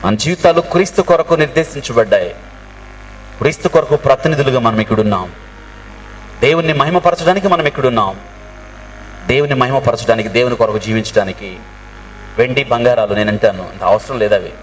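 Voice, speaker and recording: A man's voice: medium pitch, expressive, brisk, long pauses. A male pastor giving an impassioned sermon, mixing in English phrases. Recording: distant mic with faint mains hum.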